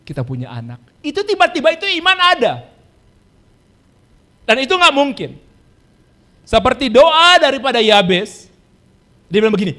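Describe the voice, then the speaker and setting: Male pastor, high animated pitch, storytelling sermon that acts out voices and repeats key lines.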